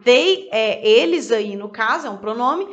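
A woman's voice: fairly high pitch, animated, unhurried, dull audio. A woman teaching English through song lyrics. She explains the lines word by word and repeats each phrase with its translation. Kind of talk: song-lyric language lesson.

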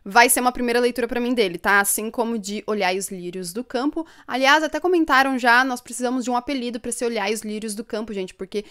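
Chatting with viewers on a live stream, a young woman from São Paulo state who runs a book channel talks quickly with few pauses in a smooth, slightly high, slightly bright voice. She is upbeat, laughs a lot and reads comments aloud, seated indoors among bookshelves with a desk mic in front.

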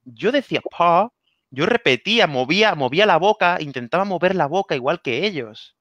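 A man from Spain with a Spanish accent shares language-learning tips in a casual online interview, lively and repeating himself for emphasis, often adding "¿vale?". His voice is on the high side and brisk, in a dry recording with the highs cut off.

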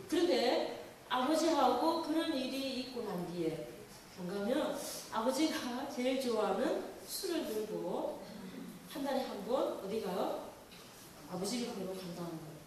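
A Catholic nun lecturing to an audience, telling a story in an animated way and acting out quoted lines. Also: female voice, on the high side, moderate pace, slight background noise. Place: lecture hall. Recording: echoey hall from far off.

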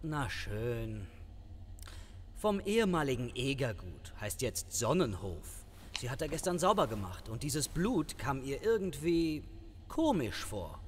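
Lively, flirtatious police sergeant. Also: male voice, mid-range voice, measured pace, long reverb tail, a little hiss or hum. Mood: evasive, appeasing. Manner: charming, wheedling, evasive. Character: flirtatious, evasive, smooth-talking male police sergeant. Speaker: actor in crime audio drama. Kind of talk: German crime audio drama acting.

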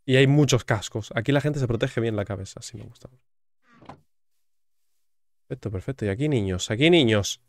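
A man's voice: medium pitch, normal speed, creaky, long pauses, a little mellow, no room sound, clean studio sound. A man with a Spain Spanish accent giving chatty, joking commentary while playing a video game and reading its text aloud. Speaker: gaming YouTuber. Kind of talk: gaming commentary.

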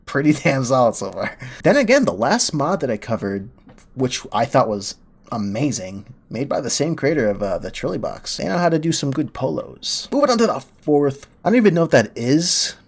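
A man's voice: medium pitch, very animated, moderate pace, vocal fry, slightly rough. A young man hosting a gaming video, sniffly from a cold, reacting casually with laughs and rambling asides. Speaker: gaming channel host. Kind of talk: casual game commentary. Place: home room, indoors. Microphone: headset mic.

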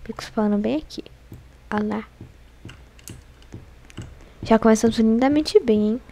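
A young Brazilian woman giving casual let's-play commentary, excitable and scared, chatting to her viewers. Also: a little high, a little slow, a little hiss or hum. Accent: Brazilian Portuguese. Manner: excitable, frightened exclamations and chatty asides to viewers. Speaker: gaming channel host.

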